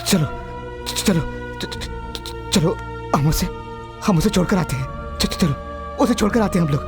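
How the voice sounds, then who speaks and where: A man's voice: high-pitched, expressive, unhurried, music in the background. A man dubbing a film role, a remorseful man pleading tearfully for a little girl. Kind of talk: dubbed film acting.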